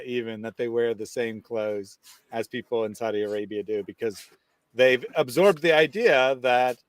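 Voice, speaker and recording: A man co-hosting a commentary chat, explaining his points in a dry, measured way. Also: mid-range voice, no echo. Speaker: co-host.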